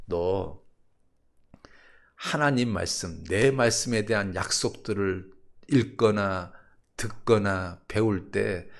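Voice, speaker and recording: A man playing God, speaking in a slow, low, measured way as he questions a pastor, with a gravelly edge. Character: God, a male deity calmly rebuking a pastor.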